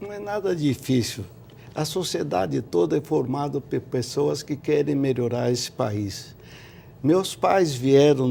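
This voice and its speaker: This man speaks very slowly in a dark, mellow tone with lively intonation. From Brazil, São Paulo area, Japanese-Brazilian family. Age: 70s. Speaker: former state legislator. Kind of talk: interview.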